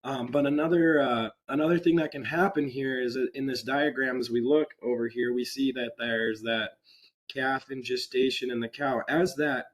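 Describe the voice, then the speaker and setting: A man with a voice still hoarse from a cold, giving a webinar presentation over a computer microphone in a relaxed, unpolished way with frequent ums and uhs. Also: medium pitch, moderate pace, low-quality recording. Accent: American. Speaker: extension presenter. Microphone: computer microphone on a video call.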